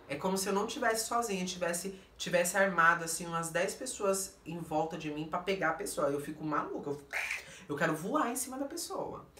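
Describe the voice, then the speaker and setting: A woman with a Brazilian Portuguese accent who speaks in a low, bright, forceful voice. She tells her story bluntly and keeps turning to her viewers. The recording is roomy, with the mic set some distance away. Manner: emphatic, blunt, keeps addressing the audience. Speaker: vlogger.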